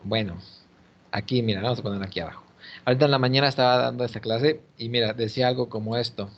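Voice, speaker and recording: A man's voice: mid-range voice, steady tone. Patient male English teacher. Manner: patient, explanatory, models pronunciation slowly. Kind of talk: one-on-one online English lesson. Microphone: video call. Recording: muffled lo-fi call audio.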